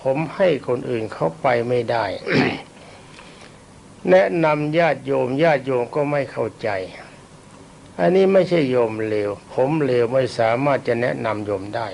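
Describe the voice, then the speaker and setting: A man's voice: medium pitch, lively intonation, creaky, a little mellow, slight background noise. An elderly man, a Buddhist monk, giving a rambling, self-deprecating dharma talk while ill and coughing often. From Thailand. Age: older. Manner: rambling, self-deprecating, pauses to recall names and dates.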